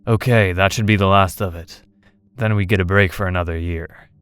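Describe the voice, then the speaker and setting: A man's voice: deep voice, steady tone, brisk, a bit bright, clear, resonant tone. A man voicing a blunt, jaded, grumbling male volunteer in horror story dialogue, with music behind him. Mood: jaded, nonchalant. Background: background music.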